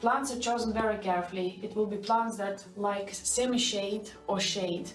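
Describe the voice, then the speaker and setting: A woman from Estonia, a viewer, gives an earnest home video tour of her indoor garden, her phrasing slightly non-native. Her medium-pitched voice stays steady at a normal speed, picked up from a distance in an echoey room full of plants. Faint music plays behind her.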